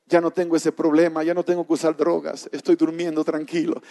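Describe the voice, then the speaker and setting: A man voicing a remorseful male ex-hitman from Colombia who speaks in a low, subdued, confessional way. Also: little pitch movement, a little fast, mellow, long reverb tail, lightly acted. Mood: relieved.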